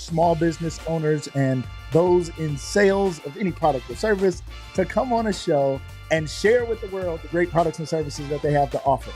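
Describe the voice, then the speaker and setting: Slightly hoarse after losing his voice, this middle-aged live online show host speaks a little high and a little mellow. His manner is upbeat and talkative, and he welcomes viewers by name.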